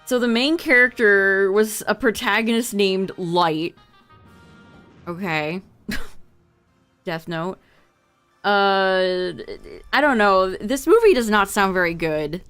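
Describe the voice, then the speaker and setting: Young woman streamer, chatty and casual, voice fraying from overuse, smooth clear tone underneath. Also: mid-range voice, slow pace, pauses often, a bit bright, soft background music. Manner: chatty, reading out notes with asides. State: losing her voice. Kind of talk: casual livestream chat to viewers.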